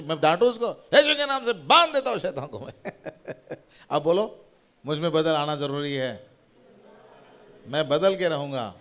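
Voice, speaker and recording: A middle-aged man preaching as a pastor speaks in a slightly high, smooth voice. He repeats phrases, urges on the congregation and calls out hallelujah.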